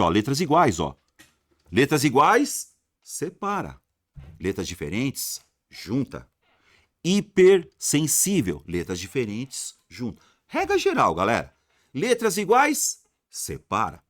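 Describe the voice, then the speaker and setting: A man's voice: mid-range voice, a bit bright, no echo, studio quality. A man teaching an exam-prep grammar lesson, repeating rules emphatically and answering imagined student questions.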